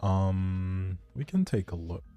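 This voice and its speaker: A man's voice: low voice, expressive, slow pace, mellow, clean tone, faint music behind. A man chatting casually to viewers on a game livestream, musing aloud as he plays. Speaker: game streamer. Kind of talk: casual livestream chat while playing a life-simulation game.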